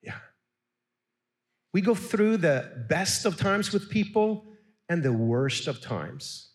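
Man, pastor, from Sweden, middle-aged, sermon, fairly high voice, animated. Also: slow pace. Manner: animated, calls for audience responses.

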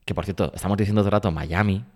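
Deep-voiced rambling Spanish podcast host. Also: male voice, racing, darkish tone. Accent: Spain Spanish. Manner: chatty, rambling, self-interrupting. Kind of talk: casual chat. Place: small home studio with some echo.

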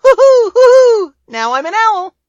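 A woman's voice: very high voice, sing-song, unhurried, no echo, muffled recording, full character voice. A woman voicing a quirky, cheerful owl as a children's voice assistant, playful and chirpy. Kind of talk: voice assistant character replies for children.

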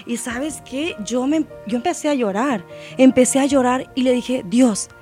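Female guest, Christian singer, heartfelt testimony, higher pitch, soft music bed. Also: moderate pace. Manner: heartfelt, emotional storytelling, mixes English words. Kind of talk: personal testimony in an interview.

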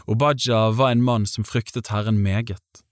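A man reading scripture aloud in a measured, even way, in a scripted audiobook style. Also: on the low side, no room sound, studio quality. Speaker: Bible reader.

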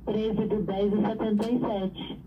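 A woman's voice: mid-range voice, level tone, a little slow. A woman, calling in to a radio show over the phone and giving brief, plain answers. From Brazil. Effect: heard over the phone. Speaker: caller. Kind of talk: call-in question to a radio show. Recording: muffled distant phone line with noise.

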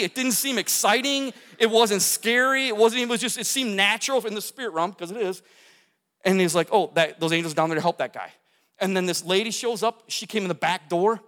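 A man's voice: high-pitched, a bit bright. A man telling a dramatic personal story to an audience, repeating phrases for emphasis and gesturing as he goes. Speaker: speaker telling his near-death story. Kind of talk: testimony talk to an audience. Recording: long hall reverb.

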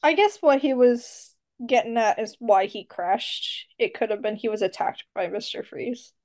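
A woman's voice: on the high side, expressive, normal speed, darkish tone. A woman who is a guest on a casual podcast, chatting about a film and laughing along easily. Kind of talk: casual film review chat.

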